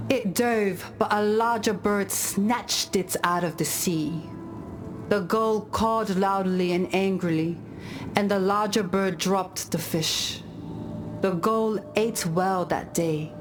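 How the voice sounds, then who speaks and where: A solemn tribal storyteller, played by a woman in a fantasy game, recounts old fables at a slow, deliberate pace. Her delivery is grave and measured, with music playing behind her. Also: medium pitch, lightly acted. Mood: measured, wry. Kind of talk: scripted storytelling of parables.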